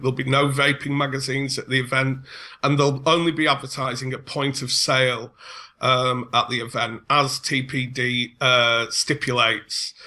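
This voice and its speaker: A man's voice: mid-range voice, pushed and bright. A man appearing as a guest to promote an event, speaking earnestly and hesitantly. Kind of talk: casual interview.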